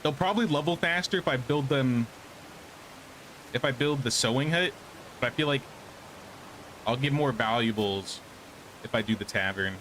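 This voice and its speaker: A man's voice: medium pitch, moderate pace, pauses often, fairly bright tone, a little hiss or hum, low-quality recording. Casual man streaming a game. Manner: thinks aloud, changes his mind, answers chat. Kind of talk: casual live gameplay commentary.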